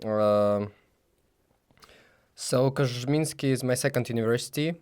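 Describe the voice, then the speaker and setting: A young man from Ukraine with a Ukrainian accent, answering interview questions haltingly with many fillers and restarts. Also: medium pitch, darkish tone, smooth, no room sound. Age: young adult. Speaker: student guest.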